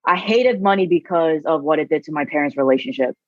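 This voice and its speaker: A woman's voice: low voice, expressive, fast, no room sound, dull audio. A woman from South Korea, a guest on a podcast, telling her story in a chatty way with many fillers.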